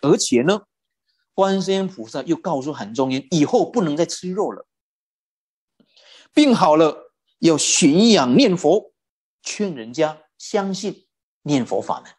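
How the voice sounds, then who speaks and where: A Buddhist teacher giving a dharma talk and telling a story in an animated way, stretching out particles like "oh" and "ah". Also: medium pitch, unhurried, long pauses, husky.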